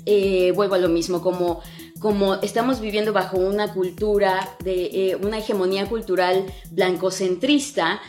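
A woman's voice: medium pitch, fairly even intonation, normal speed, a little mellow, soft background music. A woman with a Mexican Spanish accent, an English teacher and podcaster, talking in a blunt, slangy, casual monologue full of swearing and rhetorical questions.

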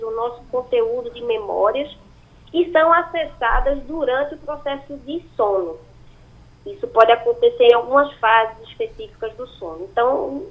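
Phone-in expert, woman over a landline phone, high voice, muffled line, explanatory with fillers. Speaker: neurologist guest on phone. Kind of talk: radio interview answers.

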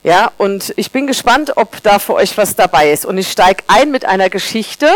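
A woman's voice: medium pitch, lively intonation, normal speed, dry recording, low-quality recording. Woman preaching, friendly, conversational, talks to the congregation, dry close sound. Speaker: preacher, teacher by profession. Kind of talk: sermon.

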